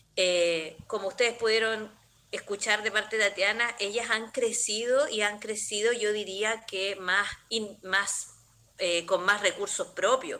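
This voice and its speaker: A woman's voice sits at a fairly high pitch with a bright, sharp tone. Her intonation stays fairly even. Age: 40s. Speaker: agronomist and regional agency director. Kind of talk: interview.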